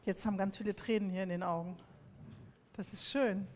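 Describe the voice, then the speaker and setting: A middle-aged woman hosting an interview, softly reacting and asking questions. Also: medium pitch, steady tone, a little fast, a little hiss or hum. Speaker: host. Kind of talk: casual interview.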